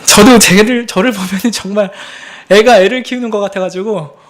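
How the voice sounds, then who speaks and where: Earnest Korean pastor preaching. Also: male voice, high voice, fairly quick. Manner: earnest, confessional, swings between hushed and emphatic. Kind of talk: sermon.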